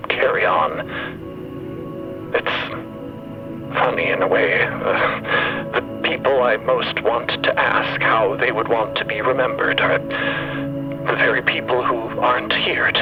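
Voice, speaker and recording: A man playing a gentle, grieving machine crewmate in an audio drama, speaking haltingly in solemn, formal eulogy. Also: medium pitch, highs cut off.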